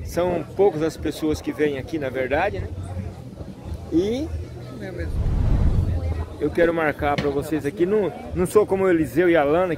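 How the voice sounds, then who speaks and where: An older man talking to his own camera at an outdoor street market in a casual, chatty way, often laughing. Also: a little high. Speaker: vlogger. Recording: busy market crowd behind.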